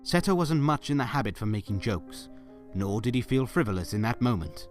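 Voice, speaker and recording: A man's voice: mid-range voice, big pitch swings, brisk, darkish tone, faint music behind. A man narrating a scripted story as the narrator of a fan audio drama.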